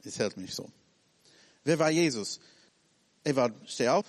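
Animated preacher man in a reverberant hall. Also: mid-range voice, a little slow. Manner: animated, acts out scenes in short broken phrases. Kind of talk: sermon.

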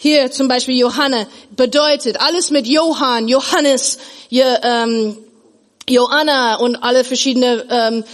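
Woman as Bible teacher for kids, fairly high voice, reverberant room. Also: unhurried. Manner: simple explaining, animated retelling with slips. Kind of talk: Bible lesson for children.

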